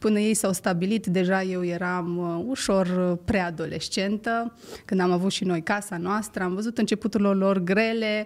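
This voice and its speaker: A woman's plain, everyday voice of medium pitch, fairly slow and with fairly even intonation, on a very clean recording with a silent background. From Romania, Bistrița-Năsăud (Beclean). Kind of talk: casual interview chat.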